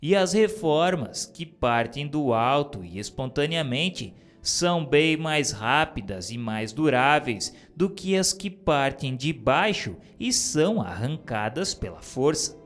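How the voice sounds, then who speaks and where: Male reader, slightly high voice, very slow solemn formal reading, faint music underneath. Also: very animated, a bit bright. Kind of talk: solemn reading of a spiritist text.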